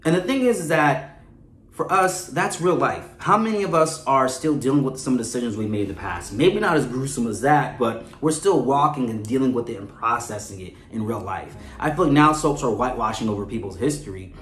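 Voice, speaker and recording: A man's voice: mid-range voice, animated, a little fast. A man hosting a fan show with conversational commentary, chatty and often checking in with a questioning tag at the end of his points. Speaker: host of a soap opera fan show. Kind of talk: conversational character analysis commentary. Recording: roomy echo with music underneath. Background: background music.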